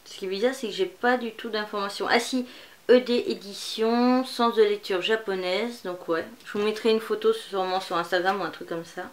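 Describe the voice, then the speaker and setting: A woman's voice: medium pitch, fairly even intonation, moderate pace. A woman presenting manga in a casual unboxing vlog, chatty and rambling, with many fillers. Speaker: manga YouTuber.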